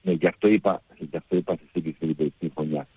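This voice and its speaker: A man who coaches a women's football team, answering in a hesitant, measured way with many fillers. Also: a bass voice, slightly rough, no echo, phone-quality sound.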